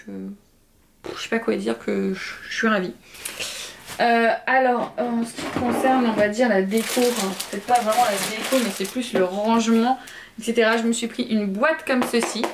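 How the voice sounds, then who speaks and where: A young woman chats casually at home, hesitant and full of fillers. Her pitch sits in a middle range. Faint background noise runs under the voice. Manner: chatty, hesitant, many fillers. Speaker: vlogger. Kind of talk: casual haul video chat.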